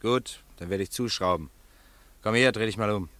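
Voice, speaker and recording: An actor playing a brisk, reassuring helper to a diver in a 1950s radio play. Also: male voice, fairly low pitch, a bit bright, dry recording, natural voice. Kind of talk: 1950s German radio drama acting.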